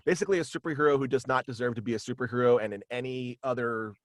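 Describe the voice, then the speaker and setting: A young man of average pitch talks casually as an interview guest. He is hesitant and rambles in short bursts. The sound is close and very dry, from a padded room. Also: racing, dry recording. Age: young adult. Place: small indoor room with acoustic padding, video call. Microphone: close studio mic, headphones.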